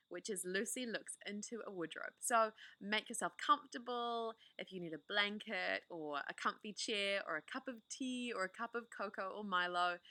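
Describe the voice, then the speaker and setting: A woman reading a children's book aloud in a gentle, soothing way. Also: mid-range voice, no echo. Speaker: storytime host.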